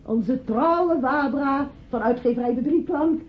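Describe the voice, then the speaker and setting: Casting: effusive hostess and devoted wife, high voice, halting speechmaking, radio drama, dull recording. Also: female voice. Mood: gracious, excited. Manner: gushing, halting party speech with repeats. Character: effusive hostess toasting her husband's birthday, devoted and chatty. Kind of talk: Dutch radio play acting.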